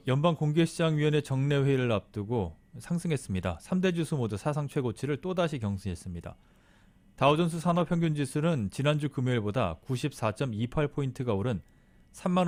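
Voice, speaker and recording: A man with a medium-pitched voice works as a news anchor. He reads scripted financial bulletins in a broadcast style. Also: darkish tone.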